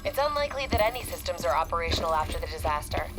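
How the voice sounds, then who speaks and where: A cool-headed female intel operative in a game; measured, clipped delivery over a music bed. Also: on the low side, big pitch swings, poor audio. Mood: level. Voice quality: measured, clipped technical reports. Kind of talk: video game cutscene acting.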